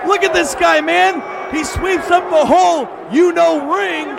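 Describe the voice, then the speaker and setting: A man giving excited, exclamatory live wrestling commentary as play-by-play announcer, often shouting. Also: extremely high pitch, measured pace, gravelly. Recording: noisy arena, loud crowd. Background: loud wrestling crowd.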